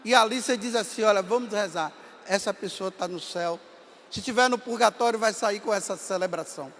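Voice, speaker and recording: A Brazilian priest in his fifties with a Bahia accent, telling stories in a sermon and rising to impassioned shouts. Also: high-pitched, fairly quick, a little hiss or hum. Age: 50s. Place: large hall at a camp gathering. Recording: long reverb of a large hall.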